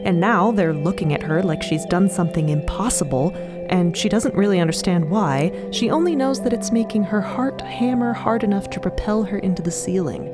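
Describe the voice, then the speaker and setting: A woman narrating scripted audio fiction dramatically, in measured, deliberate phrases. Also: mid-range voice, animated. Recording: music bed under the voice. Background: music.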